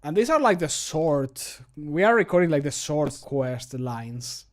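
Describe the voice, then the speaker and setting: A man in his thirties with a fairly high, very animated voice chats casually on a livestream from a small room at home, speaking at a measured pace close to the mic. A streamer and mod voice actor, he jokes around and pokes fun at himself while recording.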